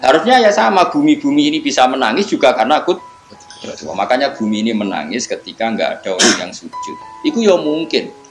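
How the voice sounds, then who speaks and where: Javanese-accented man preaching in an echoey hall. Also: fairly low pitch. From Central Java, Indonesia. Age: 50s. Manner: switches between Indonesian and Javanese, asks the audience questions and answers them. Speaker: Islamic preacher. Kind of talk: religious lecture to a congregation.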